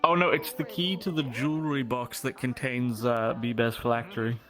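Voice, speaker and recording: A man chatting casually after a roleplay session, stumbling over his words, relaxed and laughing. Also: medium pitch, normal speed. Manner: stammering, easygoing questions. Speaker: roleplay player. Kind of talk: casual chat.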